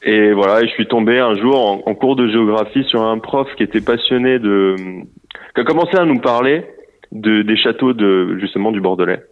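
Speaking fairly quickly in a fairly low voice, a man in his thirties from Normandy, France, a winery manager, is interviewed by telephone. His speech is hesitant, full of fillers and restarts, and the line is muffled.

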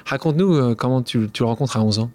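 Podcast host, man, mid-pitched voice, informal, long winding questions. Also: fast, a little mellow. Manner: informal, rambling questions with restarts. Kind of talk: casual interview questions.

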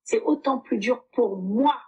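Earnest woman in her fifties, fairly high voice. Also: a little slow, lo-fi sound. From Portugal. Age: 50s. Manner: earnest, heartfelt, with frequent hesitations. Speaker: coaching client giving a testimonial. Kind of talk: emotional personal testimony.

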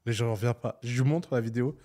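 A man's voice: mid-range voice, quick pace, mellow. A man co-hosting a casual podcast, telling stories with animation and swearing freely. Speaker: podcast co-host.

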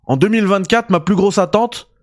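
Young guy doing an ironic gaming rant, bit high voice, dry close mic, faint music. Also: a little fast, a little mellow, no room sound. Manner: mock-outraged, ironic, familiar. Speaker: gaming video host.

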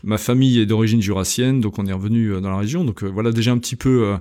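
A man's voice: fairly low pitch, rapid-fire, mellow. Hesitant French businessman in his fifties. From France. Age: 50s. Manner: hesitant, many fillers and restarts. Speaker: company director. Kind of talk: casual interview. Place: company premises.

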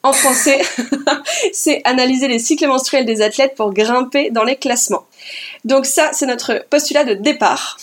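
A woman's voice: sits high, moderate pace. A woman hosting a podcast interview, speaking thoughtfully and casually in a chatty way with frequent fillers. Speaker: podcast host.

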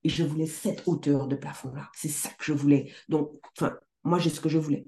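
A middle-aged woman success coach talking in a casual interview, emphatic and animated, swearing now and then. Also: low voice, fairly quick. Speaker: success coach, podcast guest.

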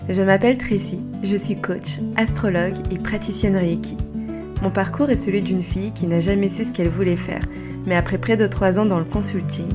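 A woman's voice: medium pitch, steady tone, a little fast, over loud music. A woman hosting a podcast, enthusiastic and upbeat as she introduces and interviews a guest. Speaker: podcast host, coach.

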